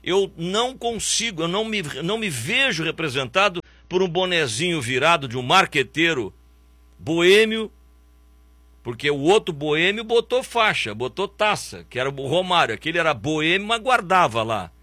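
Blunt ranting football pundit. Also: male voice, fairly high pitch, big pitch swings, moderate pace, bright, forceful tone, no room sound. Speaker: sports commentary host. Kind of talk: opinionated football commentary.

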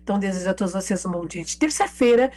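A woman pharmacist with a hoarse throat, giving health tips on a radio segment in an explanatory way. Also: medium pitch, expressive, rapid-fire, a little mellow. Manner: explanatory, lists products and phone numbers.

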